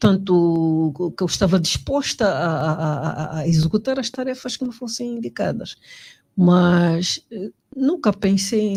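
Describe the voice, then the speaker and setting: A woman speaks at a medium pitch in a dark, mellow tone that is somewhat breathy, with very wide swings in pitch. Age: 60s. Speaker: politician. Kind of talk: interview. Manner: halting, many repetitions.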